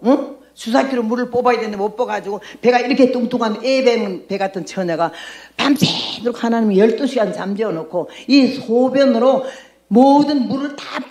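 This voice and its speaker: An older woman missionary giving a lively testimony sermon, telling her story and acting out her own past words. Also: fairly high pitch. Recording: echoey room.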